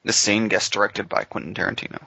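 A man's voice: fairly low pitch, steady tone, fast talker, creaky, sharp tone, slightly rough, no room sound, highs cut off. A man doing casual, sarcastic comedy commentary over a film, joking as he goes.

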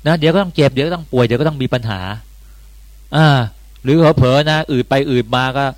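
A man's voice: mid-range voice, fast talker, dry recording. A man, a Buddhist monk, giving a conversational dharma talk with bursts of rising emphasis.

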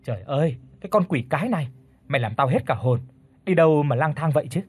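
A man voicing a brash, foul-mouthed teenage schoolgirl in a story reading, with a husky, blunt, teasing delivery. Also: a little high, expressive, fast, darkish tone.

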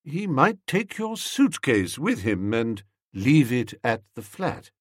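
A man voicing a calm, deferential manservant who speaks quietly and slowly. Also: medium pitch, breathy edge, no echo, clean studio sound, exaggerated voice.

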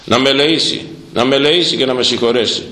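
A middle-aged priest delivering a sermon, dramatic and repetitive, his pitch swinging from high to low. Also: pushed and bright, reverberant, a little hiss or hum, poor audio. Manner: dramatic, repeating words for emphasis, swinging pitch. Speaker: Orthodox priest.

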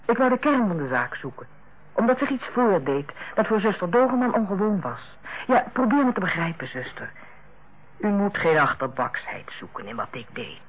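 An actress in a Dutch radio play as a female hospital director, authoritative yet kindly, speaking in a measured, formal and persuasive way. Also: medium pitch, big pitch swings, husky. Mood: tactful, measured. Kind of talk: Dutch radio drama acting. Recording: muffled, band-limited old radio recording.

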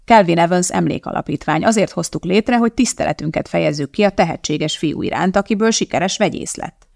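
Castingnote: a reader playing a sly older bishop, smooth and sarcastic, gravelly audiobook voice. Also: male voice, high-pitched, a little mellow, no room sound, studio quality. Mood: persuasive.

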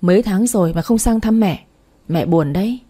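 A woman's voice: medium pitch, normal speed, mellow, slightly rough, close to an everyday voice. A woman voicing a doting middle-aged mother who fondly chides her son in a storybook reading.

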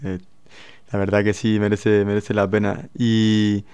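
A man's voice: lowish voice, completely flat delivery, unhurried, darkish tone, clear, resonant tone, no room sound. A man hosting a radio show from a studio, talking in a playful, hesitant way with lots of restarts. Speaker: radio host. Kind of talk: casual radio chat. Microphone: studio microphone.

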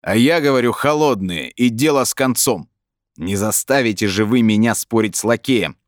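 A man's voice: medium pitch, steady tone, a little fast, smooth, no echo, studio quality, voice pushed up, close to an everyday voice. Man acting out an irritable, arrogant man losing his grip. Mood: indignant blustering. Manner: snappish, defensive, haughty.

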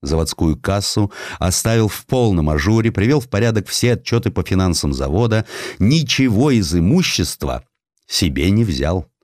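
A man with a deep voice tells a historical tale as a dramatized audiobook. His intonation swings widely and he uses theatrical pauses. The sound is close and dry. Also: animated, a little mellow, no echo. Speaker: audiobook narrator. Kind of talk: dramatized storytelling, scripted narration of a historical sketch.

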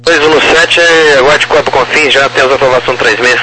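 A man with a Brazilian accent giving air traffic clearances in clipped, procedural phraseology over crackly radio. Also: medium pitch, fairly even intonation, brisk, pushed and bright. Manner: clipped, procedural delivery with spelled-out numbers. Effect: crackly radio transmission. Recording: very noisy crackly airband radio.

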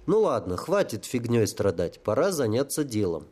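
A man voicing a cunning dead sapper who speaks smoothly and with authority. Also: mid-range voice, very animated, normal speed, darkish tone. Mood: commanding.

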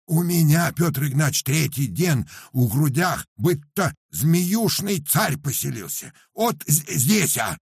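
A pious, self-pitying peasant man, wailing his grievances in a strained, drawn-out, much higher voice than the reader's own. The tone stays gravelly and husky. The audiobook recording is close and dry. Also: very animated, dry recording, exaggerated voice. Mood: lamenting. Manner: loud wailing complaint, drawn-out words.

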